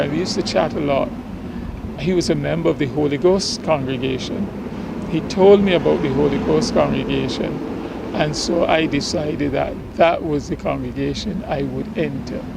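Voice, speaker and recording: A Barbadian man in his sixties, a Catholic priest, answering interview questions slowly and thoughtfully, pausing often with ums. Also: on the high side, gravelly, heavy background noise. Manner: slow, reflective, with many ums.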